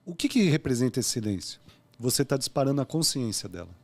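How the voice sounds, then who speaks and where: A man from Brazil, a consultant guest in an interview, explaining ideas calmly with analogies. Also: mid-range voice, fast, creaky. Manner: calm, explanatory, uses analogies.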